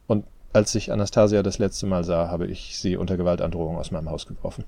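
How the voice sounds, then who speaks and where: A man with a low, dark voice playing a tired adult son who talks tersely and with strain, in an audiobook. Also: steady tone, fast talker, creaky, no room sound. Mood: weary.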